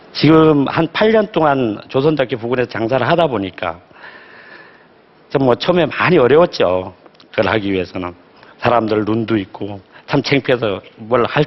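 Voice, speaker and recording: A man's medium-pitched voice with lively intonation over noticeable background noise. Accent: Jeolla. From Gangwon Province, South Korea. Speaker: street food vendor. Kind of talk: lecture. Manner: plain, halting conversational.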